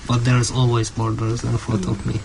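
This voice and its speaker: Hesitant, flat-toned man, non-native English. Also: mid-range voice, moderate pace, gravelly, a little hiss or hum, poor audio. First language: not English. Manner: hesitant, repeats phrases. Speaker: asylum seeker. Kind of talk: earnest group discussion.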